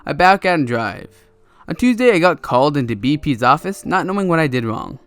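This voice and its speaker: A man's voice: on the high side, very animated, a little fast, clear, resonant tone, dry recording. A young man reading online stories aloud in a casual way, with laughing, stumbling asides. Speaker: reddit story narrator. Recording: soft music bed under voice. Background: quiet background music.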